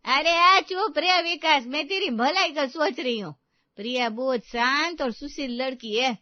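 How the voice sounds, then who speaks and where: A woman's voice: on the high side, moderate pace, no echo, close to an everyday voice. A woman voicing a stubborn, commanding middle-aged mother-in-law in a cartoon story. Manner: bossy, commanding. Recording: dull dry studio audio.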